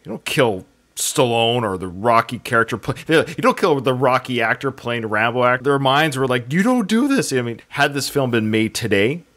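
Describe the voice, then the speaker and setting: A man's voice: mid-range voice, lively intonation, normal speed, few pauses, a bit bright. A man hosting a podcast, chatting and joking as he rambles through film history. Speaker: podcast host. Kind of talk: casual podcast chat.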